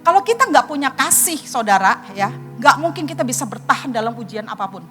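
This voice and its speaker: High-voiced woman pastor preaching earnestly. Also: big pitch swings, brisk, fairly bright tone, long reverb tail, soft background music. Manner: earnest storytelling, addresses the congregation directly. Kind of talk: sermon with personal testimony.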